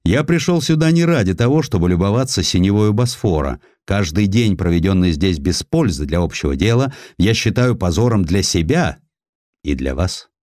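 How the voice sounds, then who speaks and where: A belligerent German admiral, acted by a male narrator from a historical audiobook. He declaims impatiently and emphatically, with big swings of pitch. The sound is dry and close. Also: animated, moderate pace, a little mellow, dry recording. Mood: indignant.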